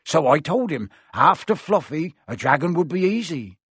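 Man doing a big rambling gamekeeper, lifted voice, louder than the narration, bouncy delivery, dry close sound. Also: on the high side, sing-song, moderate pace, breathy edge, dry recording, voice pushed up, full character voice. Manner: rambling, blurting. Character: huge gruff kindly half-giant gamekeeper man.

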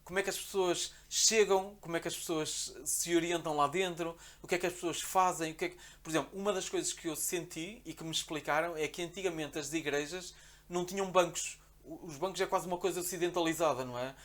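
Man, European Portuguese accent, quick, excitable, casual storytelling. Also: fairly high pitch. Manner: animated, excitable, acts out quotes. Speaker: podcast guest.

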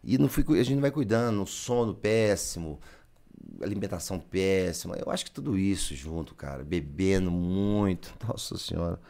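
A man's voice: low voice, normal speed, gravelly, mellow. A Brazilian man, telling a story in casual chat and acting out the lines he quotes.

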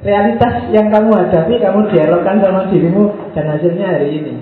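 A man gives a casual philosophy lesson, teasing his listener and slowing down to stress key words. His voice sits a little high. The recording is tinny and phone-like, with heavy room echo. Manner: casual, teasing explanations with slow emphatic stretches. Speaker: philosophy teacher.

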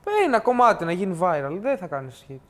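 High, smooth-voiced young man. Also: sing-song. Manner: slangy, interrupts, mixes English words. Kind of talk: casual podcast chat.

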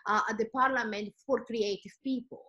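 A woman's voice: a little high, fairly even intonation, normal speed, sharp tone, muffled recording. A middle-aged woman from Ecuador with an Ecuadorian Spanish accent, a native Spanish speaker answering interview questions in a reflective, storytelling way. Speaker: guest.

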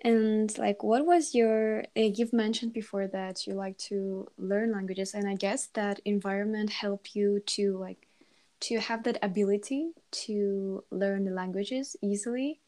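A woman interviewing a guest in a relaxed conversational way, offering guesses and soft fillers to prompt her answers. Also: mid-range voice, measured pace.

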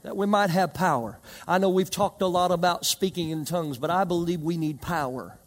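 A high-voiced man preaches to a responsive congregation, pressing his points with emphasis and folksy stories. His voice carries a long reverb, as if filling a large hall. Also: fairly quick. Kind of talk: sermon. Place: church service with live congregation.

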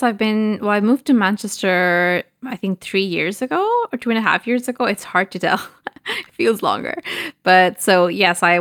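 A woman's voice: mid-range voice, fairly bright tone, clear, resonant tone, no room sound, clean studio sound. A young woman from Pakistan answering interview questions in a casual, thoughtful way, with many fillers and restarts. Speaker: guest.

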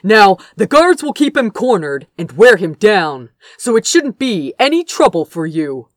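A woman's voice: mid-range voice, big pitch swings, a little slow, no room sound, clean studio sound, voice pushed up. A woman voicing a smug, impatient royal brother in an audiobook, curt, scoffing and patronizing. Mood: impatient, commanding. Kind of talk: dramatic audiobook character dialogue.

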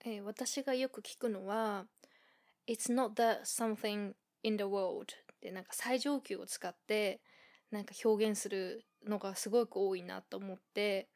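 A woman from Japan hosting a casual solo podcast, thinking aloud and filling pauses with frequent fillers. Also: mid-range voice, steady tone, darkish tone. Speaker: podcast host.

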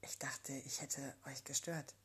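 A woman's voice: low voice, steady tone, unhurried, gravelly, slightly rough, exaggerated voice. Woman doing a flustered, stammering young woman. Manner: stammering, apologetic, partly whispered. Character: flustered, embarrassed young woman caught off guard.

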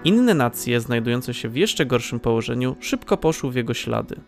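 A man's voice: medium pitch, sing-song, moderate pace, gravelly. A man narrating a scripted audio drama as its storyteller. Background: faint music.

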